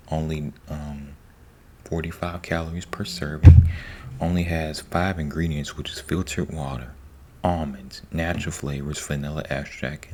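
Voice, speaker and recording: A man giving a soft-spoken ASMR ramble, breathy and often near a whisper, informal and repeating himself, close to the microphone. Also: low-pitched. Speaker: ASMR host. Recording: faint background noise.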